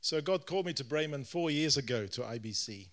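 A middle-aged man from London with a British accent gives an informal church address in short phrases, pausing for an interpreter. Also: a little high, expressive, fairly bright tone. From London, Britain. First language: English. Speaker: guest pastor preaching.

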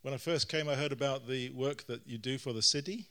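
A middle-aged man from London with a British accent gives an informal church address in short phrases, pausing for an interpreter. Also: medium pitch, pushed and bright. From London, Britain. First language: English. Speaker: guest pastor preaching.

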